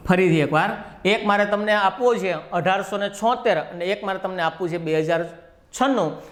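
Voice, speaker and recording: A man with a Gujarati accent giving a reasoning lecture, firing rhetorical questions at his students and acting out little dialogues to make each step clear. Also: high voice. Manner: acts out dialogues with the numbers. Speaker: reasoning teacher. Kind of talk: classroom lecture.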